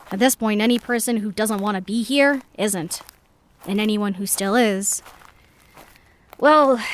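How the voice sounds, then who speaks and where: A woman's voice: medium pitch, a little hiss or hum, natural voice. An actress playing a thoughtful young woman in an audio drama, giving a conversational, reflective walking tour of her community with hesitant asides. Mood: grave, matter-of-fact. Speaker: narrator character.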